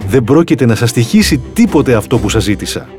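Man voicing a crafty booted cat for a storybook: animated, high and wheedling, over faint music. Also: lightly acted. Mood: pleading. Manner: pleading, eager, higher than his narration. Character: sly clever male cat in boots. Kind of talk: storybook reading.

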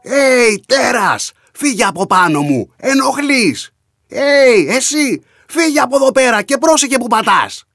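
A man's voice: fairly high pitch, big pitch swings, no echo, studio quality, pitched above the performer's own voice. A man voicing a small, lazy, boastful male dragon in a children's story, blustering and threatening. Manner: blustering, threatening, then whining. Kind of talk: storybook narration.

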